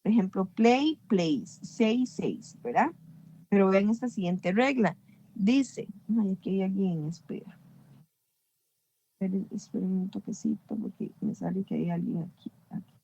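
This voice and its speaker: A woman's voice: medium pitch, expressive, unhurried, mellow. A woman teaching an English grammar class online, explaining patiently and often checking understanding.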